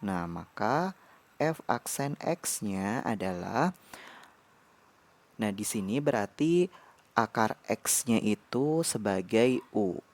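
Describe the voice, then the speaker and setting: Male tutor, lowish voice, unhurried measured lesson delivery. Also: lively intonation, a little mellow. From Indonesia. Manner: measured, pauses between short phrases. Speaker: math tutor. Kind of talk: slow explanatory lecture.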